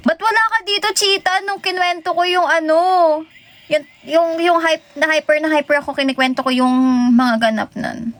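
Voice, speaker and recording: A woman's voice: high voice, moderate pace, a bit bright. A young Filipino woman chatting casually with viewers on a livestream, giggling and greeting people by name. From Philippines. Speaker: idol livestreamer. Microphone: phone.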